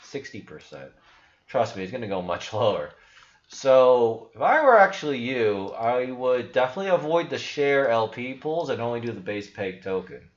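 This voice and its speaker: A young man running a crypto channel talks casually over a screen share from a small indoor room. His mid-range voice has lively intonation at a moderate pace, and he's blunt, skeptical and rambling, often restarting sentences. The sound is echoey, dull and lo-fi.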